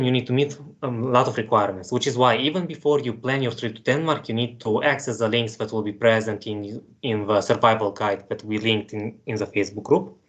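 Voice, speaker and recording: A man in his twenties from Moldova, steadily reading a prepared presentation with practical tips. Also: medium pitch. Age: 20s. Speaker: student presenter. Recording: dull lo-fi sound.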